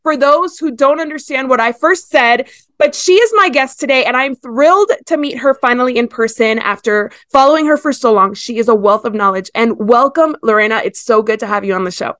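A woman's voice: fairly high pitch, brisk, a bit bright, no echo. A woman in her thirties from Ecuador, hosting a pet podcast in a chatty, enthusiastic way. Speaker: podcast host. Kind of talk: casual chat.

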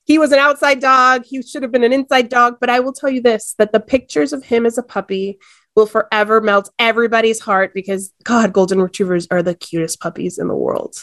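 Bubbly woman podcast host, bright-pitched. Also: steady tone, fairly quick, no echo, studio quality. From Ecuador. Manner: bubbly, chatty, laughs easily. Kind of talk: casual chat.

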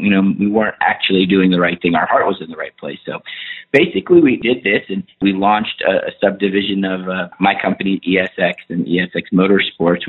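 A middle-aged man from Iran, a film producer and actor, chatting in a rambling, enthusiastic way as an interview guest. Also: sits low. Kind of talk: casual interview talk. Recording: tinny phone line.

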